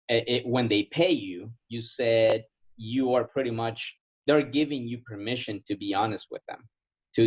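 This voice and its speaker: A man's voice: mid-range voice, dull audio. A man from Ecuador who speaks English as a second language, coaching informally in a question and answer session and repeating key phrases for emphasis. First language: Spanish. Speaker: sales trainer.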